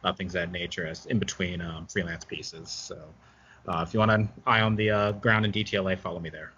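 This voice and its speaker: A man's voice: deep voice, fairly even intonation, fairly quick, sharp tone, slightly rough, lo-fi sound. A man, a freelance reporter on a podcast, speaking hesitantly with many ums. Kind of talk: casual chat.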